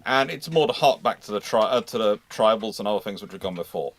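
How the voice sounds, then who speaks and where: A man hosts a casual live Q&A, answering viewer questions and explaining things with playful asides. His voice is fairly low, with lively intonation and a quick pace.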